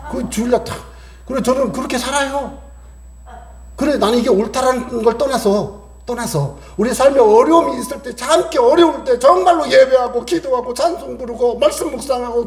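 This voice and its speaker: Male pastor, high-pitched, emphatic repetitive sermon delivery, reverberant sanctuary sound. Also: darkish tone. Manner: emphatic, repetitive preaching with rhetorical questions.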